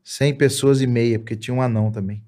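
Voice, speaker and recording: A singer appearing as a guest, a man with a Brazilian accent, tells funny stories in a casual chat. His voice is medium in pitch and quick, and he's animated, laughing and acting out the people in his tales.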